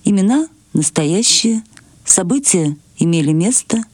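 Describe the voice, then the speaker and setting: A woman's voice: mid-range voice, lively intonation, a little slow, a little mellow, no echo. A woman presenting a literary program on radio, reading a scripted introduction in a composed, formal way.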